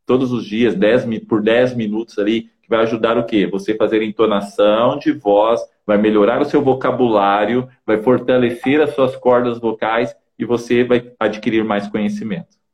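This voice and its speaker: A man's voice: fairly low pitch, steady tone, normal speed, darkish tone. A man with a Brazilian Portuguese accent coaching on communication, in a didactic way that keeps checking in with short tags. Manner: didactic, peppers speech with "tá?" and "né?". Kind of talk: casual advice talk in an online interview.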